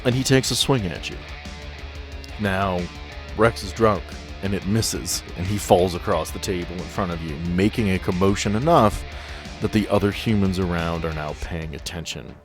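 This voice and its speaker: A man's voice: low-pitched, moderate pace, music in the background. A man game-mastering, moving between improvised scene narration and casual chat.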